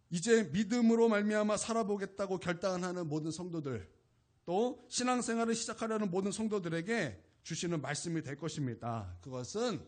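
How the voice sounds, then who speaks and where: A man with a high-pitched voice preaches a Sunday sermon as pastor. He drives his points home with repeated phrases and exhortations that rise in force. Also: a little mellow. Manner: preaching with emphatic repetition and rising exhortations.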